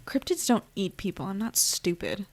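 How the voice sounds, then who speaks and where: A woman's voice: mid-range voice, big pitch swings, normal speed. A woman playing a stubborn young human captive in an audio drama, blunt, indignant and defiant.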